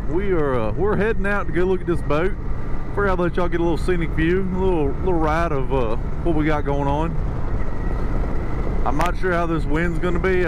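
Noticeable background noise sits under a dry sound with no echo. A man talks at a very fast pace. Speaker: motovlogger. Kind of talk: casual vlog chat. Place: motorbike. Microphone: helmet.

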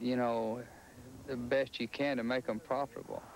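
Over light background noise, a man talks with an American accent. His delivery is monotone, with flat intonation. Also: dry sound with no echo. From South Texas. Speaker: rancher. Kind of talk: interview. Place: open country.

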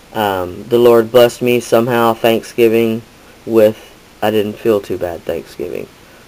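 The intonation stays flat and monotone. An American accent is heard. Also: man, medium pitch for a man. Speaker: craft video maker. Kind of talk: casual chat; crafting tutorial and show-and-tell. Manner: halting, many fillers.

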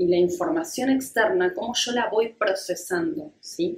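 A woman's fairly high voice with very wide pitch swings, at a very slow pace, with audible room echo. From Argentina. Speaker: ayurveda doctor. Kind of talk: educational talk. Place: home room. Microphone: camera far.

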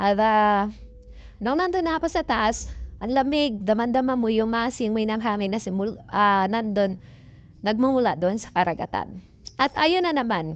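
This woman has a fairly high pitch and lively intonation, speaking at a fairly slow pace. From Quezon province, Philippines. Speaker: vlogger. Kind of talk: travel vlog narration.

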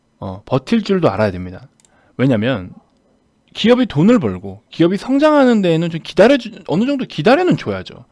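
At a moderate pace, a man speaks with very wide pitch swings and big swings in loudness. He leaves long, frequent pauses. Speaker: stock market commentator. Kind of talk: market commentary and sales pitch.

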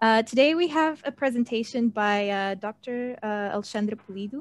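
Ordinary pitch variation in a dry sound with no echo. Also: woman. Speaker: webinar moderator. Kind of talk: formal moderation. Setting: video call. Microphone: video call.

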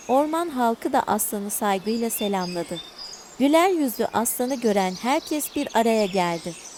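Lively intonation marks the delivery. Otherwise it is simple reading aloud.

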